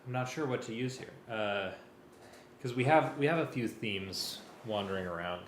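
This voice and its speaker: A man's voice: on the low side, normal speed. A man talking casually and hesitantly, thinking aloud as he works and sometimes reading from a script. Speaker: music arranger preparing a live table read. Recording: echoey room with faint noise.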